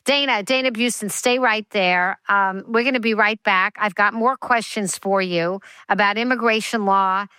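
A woman's voice: medium pitch, steady tone, normal speed, hardly any pauses, bright, forceful tone, clean tone, dry recording. Chatty, enthusiastic woman host. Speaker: radio or podcast host. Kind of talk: interview hosting.

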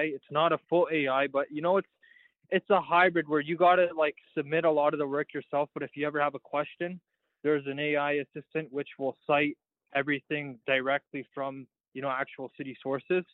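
A man's voice: fairly high pitch, no echo. A teenage engineering student being interviewed on the radio by phone, eager and rambling as he explains. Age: teens. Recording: tinny phone line.

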